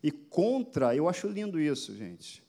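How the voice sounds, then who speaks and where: A man's voice: a little high, big pitch swings, measured pace, dark tone. A man preaching a sermon as pastor, asking his listeners rhetorical questions and building emphasis. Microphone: addressing a camera for an online audience.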